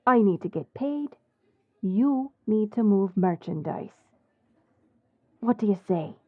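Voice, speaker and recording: A woman as a slow-talking roguish pirate smuggler, phone-like sound. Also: medium pitch, lively intonation, dry recording. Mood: confident, pitching. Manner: unhurried, blunt, wry. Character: brash, crafty female pirate smuggler, wry and roguish. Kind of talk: swashbuckling audio roleplay acting.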